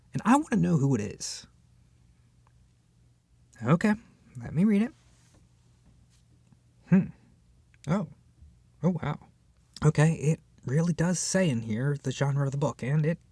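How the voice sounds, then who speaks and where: A performer in a scripted audio roleplay, speaking to the listener as a flustered, opinionated book club member, expressive and hesitant with sighs and whispered asides. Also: medium pitch, husky, no echo. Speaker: ASMR roleplay voice actor. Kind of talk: scripted audio roleplay, acted as one side of a conversation addressed to the listener.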